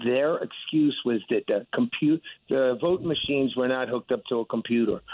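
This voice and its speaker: A man's pitch varies in an ordinary way while noticeable noise runs in the background. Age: 60s. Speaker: caller. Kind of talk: call-in talk radio. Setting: phone call.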